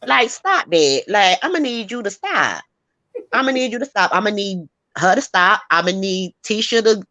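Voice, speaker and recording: A woman hosting a casual gossip chat, talking in an animated, sassy and emphatic way and laughing often. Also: medium pitch, no echo. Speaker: host.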